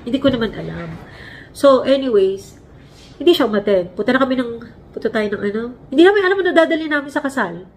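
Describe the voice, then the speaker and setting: A woman in her forties from the Philippines, hosting a casual vlog and telling stories in an animated way, acting out quotes as she goes. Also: high-pitched, quick pace. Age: 40s. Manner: animated, acts out quotes, laughs while telling. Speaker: vlog host. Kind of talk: casual storytelling chat. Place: home, Canada.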